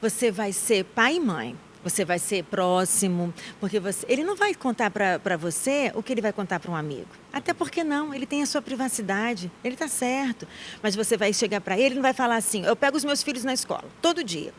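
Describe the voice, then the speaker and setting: A Brazilian woman in her thirties speaks as a guest in a studio interview, firm and outspoken with strong emphasis. Her voice sits a touch high, and a faint hiss of noise runs underneath. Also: animated, fairly quick.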